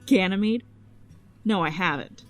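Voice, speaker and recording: A woman's voice: medium pitch, a little slow, lightly acted. An actress playing a stubborn, stressed woman detective with a terse, dry delivery in an audio drama. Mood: weary, hurt. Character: stressed, stubborn, guarded female police detective. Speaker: police detective.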